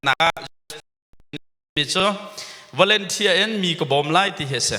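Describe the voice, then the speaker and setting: A man's voice: high voice, slow pace, sharp tone, in a large hall. A male pastor preaching a sermon, mixing English words into his speech. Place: church sanctuary.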